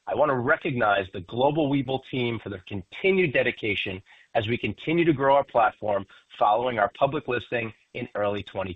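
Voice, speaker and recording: A man's voice: medium pitch, breathy edge, no room sound. A man giving scripted closing remarks as a company executive on an earnings call. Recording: muffled narrow phone line.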